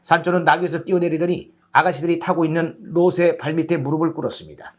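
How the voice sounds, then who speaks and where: A man with a fairly high voice narrates a children's fairy tale. He reads as an animated storyteller, carrying the tale along in scripted narration. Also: fast.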